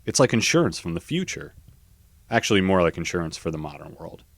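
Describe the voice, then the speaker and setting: A man's voice: sits low, big pitch swings, a little fast, creaky. A man working as a voiceover artist, reading scripted narration and advertising copy.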